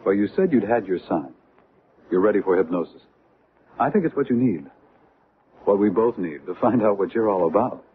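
Actor as eager probing doctor, tinny noisy radio. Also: male voice, lowish voice, lively intonation, moderate pace, pauses often, natural voice. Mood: earnest. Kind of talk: radio drama acting.

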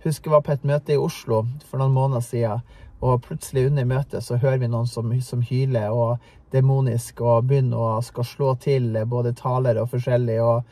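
A man co-hosts a conversation about faith and speaks earnestly, close to preaching. His voice sits at a middle pitch and has a warm, dark tone. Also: little pitch movement. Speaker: co-host. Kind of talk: faith discussion.

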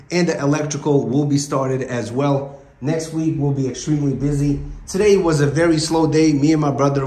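A man's voice: a little high, darkish tone. A man in his thirties giving a plain, step-by-step walkthrough of a house renovation, filmed on a phone while walking through the rooms. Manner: plain, matter-of-fact, explaining step by step. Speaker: real estate investor vlogger. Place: empty house under renovation, indoors. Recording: echoey empty rooms.

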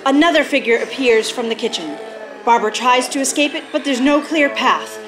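Casting: female narrator, thirties, high voice, dramatic radio-play read over loud music. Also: brisk, low-quality recording. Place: theater stage. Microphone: stand microphone.

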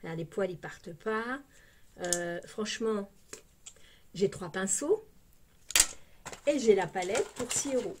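A woman's voice: medium pitch, takes it slowly, pauses often. Parisian French woman, casual beauty vlogger, chatty and exclamatory, faint background noise. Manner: chatty, exclamatory, lots of "hein" fillers. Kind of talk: casual unboxing chat.

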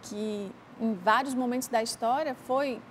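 A woman hosting a faith-based morning talk show, her voice sitting a little high. She guides the conversation and steps in to complete her guest's thoughts. A faint hiss runs under the studio sound. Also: a little slow. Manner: interviewing, prompting and finishing the guest's sentences.

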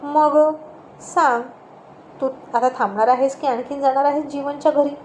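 A woman voicing a curious, gently teasing middle-aged mother in a storybook reading. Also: sits high, steady tone, normal speed, natural voice. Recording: roomy echo, faint noise.

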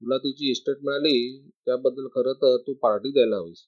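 A man's voice: medium pitch, fairly even intonation, fairly quick, lightly acted. A man voicing a vain, blunt young woman who talks with scorn and boasts. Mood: mocking. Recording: dry, slightly dull recording.

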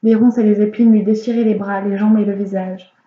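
A woman reading a fairy tale aloud as an audiobook reader, in a calm, measured storytelling manner. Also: mid-range voice, slight background noise. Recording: roomy, slightly dull home recording.

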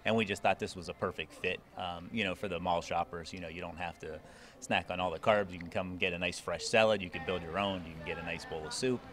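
A man's voice: deep voice, steady tone, fast talker, fairly bright tone. A man in his forties who owns a salad restaurant, speaking hesitantly with many ums into a handheld mic in a mall. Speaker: restaurant owner. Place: indoor shopping mall. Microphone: reporter's handheld mic.

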